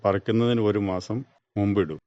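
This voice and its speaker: A man's voice: fairly low pitch, fairly quick, warm tone, no echo. A man, giving plain, brief, factual answers in an interview as a retired farmer. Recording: dull, muffled radio recording.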